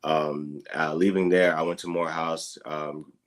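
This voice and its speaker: A man in his thirties from the US Midwest, a guest explaining things in a relaxed, unhurried way with many fillers. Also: a bass voice. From Dayton, Ohio, US Midwest. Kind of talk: casual interview talk.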